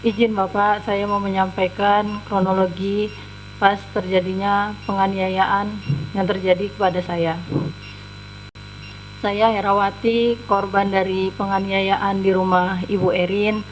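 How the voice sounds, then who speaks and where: A young woman giving formal testimony as a complainant, retelling events plainly and haltingly. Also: medium pitch, low-quality recording. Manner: plain, halting retelling, acting out quoted lines.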